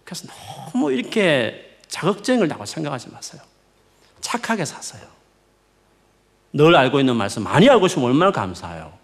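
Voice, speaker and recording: A man preaching a midweek sermon in a conversational, coaxing way, with many rhetorical questions and sharp swings in emphasis. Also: a little high, brisk. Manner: lively, rising and falling emphatic preaching. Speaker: pastor.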